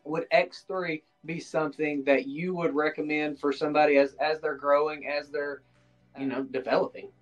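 A man hosting an interview, asking questions in a friendly, halting way with many restarts. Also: on the high side, steady tone, dull audio, faint music behind. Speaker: podcast host.

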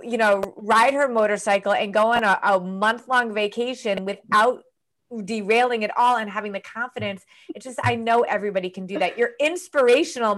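A woman's voice: a little high, a bit bright. A woman hosting an interview, speaking in an effusive and encouraging way. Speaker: host. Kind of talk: podcast interview.

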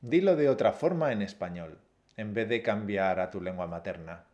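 A man co-hosting a Spanish-learning podcast, explaining steps in a steady, encouraging way. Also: lowish voice, normal speed, muffled recording. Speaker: Spanish teacher, podcast co-host. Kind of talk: scripted lesson.

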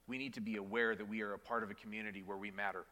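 A male pastor preaching a sermon in a church. He speaks emphatically, repeats words as he goes, and drops to quiet, weighty lines. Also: lowish voice, little pitch movement, very fast, long reverb tail. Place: church sanctuary.

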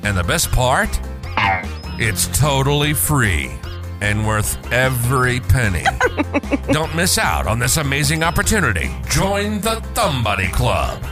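A man reading a scripted promo in an exaggerated infomercial sales-pitch manner. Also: big pitch swings, unhurried. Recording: music bed behind the voice. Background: music.

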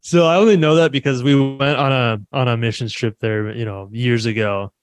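A man's voice: mid-range voice, fairly even intonation, normal speed, clean tone, dry recording. A man hosting a podcast, talking in an easygoing, chatty way and laughing often. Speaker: podcast host. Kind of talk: casual interview chat.

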